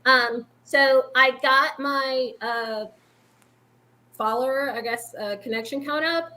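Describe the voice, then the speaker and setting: Bright, high-voiced chatty woman. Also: takes it slowly. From Boston, Massachusetts. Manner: chatty, rambling, with many fillers and frequent laughs. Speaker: guest. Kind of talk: casual interview talk.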